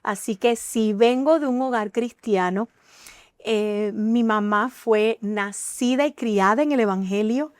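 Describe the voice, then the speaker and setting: A woman guest on a Christian TV talk show, telling her testimony in an earnest, emotional way with many pauses and fillers. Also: mid-range voice, clean tone, no echo, studio quality. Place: TV studio.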